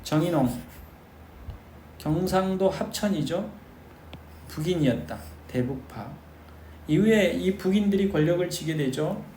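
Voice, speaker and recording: A man's voice: high-pitched, a little slow, long pauses, mellow. A man giving an exam-prep history lecture, speaking emphatically to his students and asking them rhetorical questions. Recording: echoey room with faint noise.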